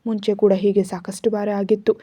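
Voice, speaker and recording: A woman narrating a scripted story in a steady, even reading. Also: mid-range voice, brisk, no echo. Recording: dull lo-fi recording.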